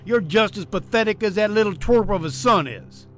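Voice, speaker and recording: A man voicing a cruel, drunken, abusive father who talks in gruff insults in a horror story reading. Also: high-pitched, lively intonation, moderate pace, a bit bright, soft background music, voice pushed up. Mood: contemptuous, angry.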